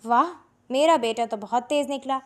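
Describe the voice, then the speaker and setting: A kind, cheerful mother, played by a woman reader in a storybook drama. She speaks with a smiling, teasing warmth in a high voice.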